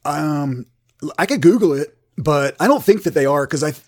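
A man playing an earnest, prudish Christian metal singer with a gravelly voice, rambling and oversharing in an improvised comedy interview. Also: a little high, animated, moderate pace. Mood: earnest, disapproving. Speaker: comedy podcast guest in character.

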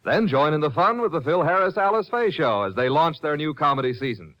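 An American male promo announcer from the golden age of radio. His voice is fairly high and swings animatedly. The old recording sounds a little dull. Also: expressive, a little fast.

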